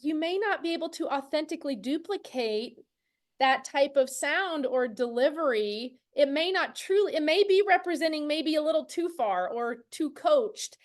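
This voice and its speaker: A woman's voice: sits high, animated, normal speed. A woman hosting a conversational interview, speaking in an affirming, enthusiastic way. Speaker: podcast host interviewing guests.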